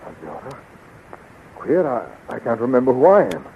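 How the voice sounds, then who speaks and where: A brave, earnest young space hero in vintage radio melodrama. His voice has a middling pitch and comes through a very thin, narrow recording with steady noise. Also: moderate pace. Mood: confused. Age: young adult. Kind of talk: 1930s radio serial acting.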